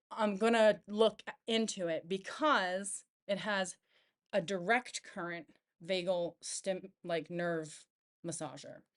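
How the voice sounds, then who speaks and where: Against a quiet background, a woman speaks in an animated tone at a medium pitch with ordinary pitch variation. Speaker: spiritual psychology coach. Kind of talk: casual vlog talk to camera. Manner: fast.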